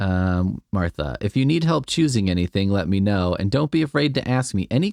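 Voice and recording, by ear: The speaker reads aloud in a natural voice, intonation rising and falling in a lively way.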